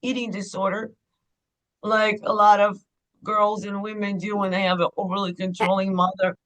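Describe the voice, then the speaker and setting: A woman speaks as a podcast guest, her voice bright and forward. She tells her story candidly and at an unhurried pace. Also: mid-range voice, flat delivery, rough recording. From Ukraine. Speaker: guest, clinic owner. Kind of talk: podcast interview.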